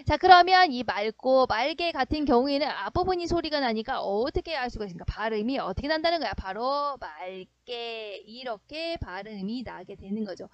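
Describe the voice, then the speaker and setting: A woman's voice: high voice, dry recording, lo-fi sound. Dry-sounding woman teaching grammar. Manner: explains step by step with frequent check-in questions. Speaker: middle school Korean teacher. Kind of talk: online grammar lesson.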